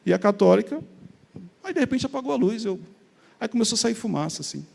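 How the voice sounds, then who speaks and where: A middle-aged Brazilian man telling his personal faith testimony in an animated storytelling way, acting out remembered conversations. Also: high-pitched, quick pace, gravelly, in a large hall. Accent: Brazilian Portuguese. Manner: animated, acts out remembered dialogue. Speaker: speaker sharing a faith testimony.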